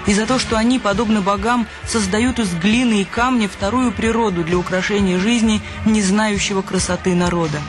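High-pitched male radio drama narrator. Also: steady tone, fairly quick, hardly any pauses. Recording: music behind the voice.

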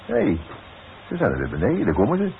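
A man's voice: medium pitch, wildly swooping pitch, fast talker, gravelly. An actor playing a grumbling, wary workman in a 1960s radio play. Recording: tinny, very noisy 1960s radio recording.

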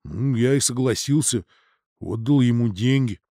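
A man voicing a frightened tavern manager with a bass voice, speaking timidly, in an audiobook. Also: normal speed, warm tone, no room sound, studio quality, close to an everyday voice. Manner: timid, low and subdued.

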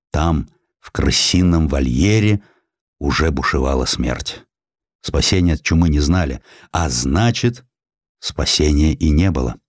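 A man reading a literary story as a dramatic audiobook narrator, deliberate and measured, with weighty pauses. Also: low voice, a little mellow, dry recording, clean studio sound. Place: studio.

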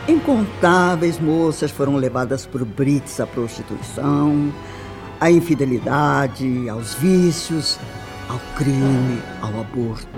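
An actress playing a wronged, bitter woman recounting her past life in a radio soap opera, with emphatic delivery and dramatic pauses. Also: sits low, heavily acted. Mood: indignant, accusing.

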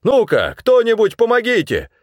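A man voicing a gruff, stern postal supervisor. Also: fairly high pitch, wildly swooping pitch, takes it slowly, a little mellow, dry recording, studio quality, voice pushed up, heavily acted.

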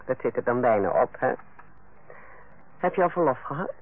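A stern, reserved older head nurse in a radio drama. Her pitch swings widely within formal, clipped phrases, heard through a tinny, faintly noisy old recording. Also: animated, moderate pace. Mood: brisk, friendly. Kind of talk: Dutch radio play acting.

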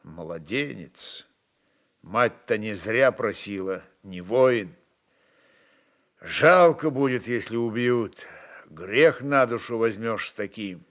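Man acting a gruff, animated Cossack chieftain. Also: on the low side, takes it slowly, heavily acted. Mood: musing. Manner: terse, folksy Cossack dialect. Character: commanding, wily Cossack chieftain, male, gruff but playful.

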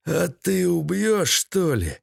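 A man's voice: high voice, sing-song, takes it slowly, creaky, no room sound, clean studio sound, voice pushed up, exaggerated voice. A man voicing a grey-haired bandit leader, cocky and wheezing, in a read-aloud story. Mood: mocking.

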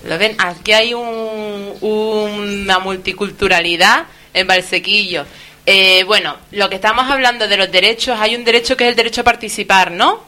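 Lady hosting radio w kids, crisp bright voice, keeps nudging them on. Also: medium pitch, fairly even intonation, moderate pace. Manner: coaxing, keeps prompting with "a ver". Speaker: radio host interviewing children. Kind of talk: local radio chat.

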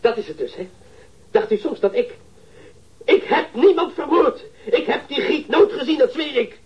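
An actor playing a frightened, coarse ship's stoker under questioning in a radio crime drama, stammering and protesting. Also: male voice, extremely high pitch, animated, normal speed. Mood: panicked, indignant. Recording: dull, muffled radio drama recording.

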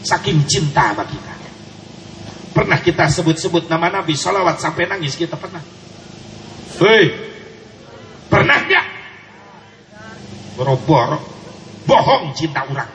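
High-voiced Sundanese preacher in a hall. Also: male voice, measured pace, long pauses. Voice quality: animated, swings between shouts and soft asides. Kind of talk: sermon. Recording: echoey hall with faint noise.

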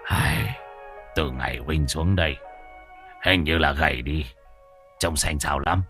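A man's voice: extremely low pitch, slow pace, a bit bright, soft background music, voice pushed down, exaggerated voice. A man voicing a rude, foul-mouthed younger exorcist. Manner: crude, snappy.

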